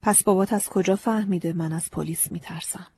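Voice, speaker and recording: A woman voicing a scarecrow come to life as a grown man, curt and aloof, in a breathy storybook reading. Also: fairly low pitch, steady tone, darkish tone, a little hiss or hum, close to an everyday voice.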